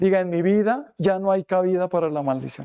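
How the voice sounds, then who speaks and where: In a dark, mellow tone, a man with a high pitch and ordinary pitch variation speaks at a moderate pace. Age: 60s. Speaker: pastor. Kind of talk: sermon.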